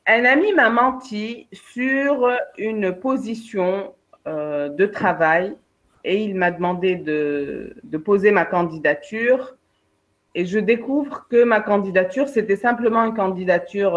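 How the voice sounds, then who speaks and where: A woman, a career coach and trainer giving a lively webinar talk, speaking straight to her participants and acting out her examples. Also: mid-range voice. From Algeria. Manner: lively, addresses participants directly, acts out examples. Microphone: video call. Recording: dull lo-fi online webinar audio.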